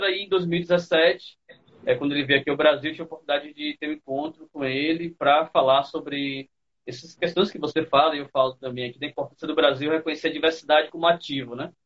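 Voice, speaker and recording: Talking at a very fast pace, a man with a fairly high pitch keeps his intonation fairly even while his loudness swings widely. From Brazil, Salvador (Bahia). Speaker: entrepreneur and diversity consultant. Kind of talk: interview. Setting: video call.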